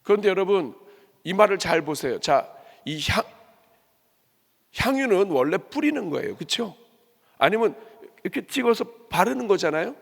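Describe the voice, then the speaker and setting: A man preaches a sermon from a church pulpit in a slightly high voice that swings widely in pitch. He questions his listeners directly and acts out the grumbling of others. A long reverb trails each phrase through the sanctuary. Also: normal speed, gravelly, long pauses. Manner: lively, asks the congregation questions and acts out complaints. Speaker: pastor.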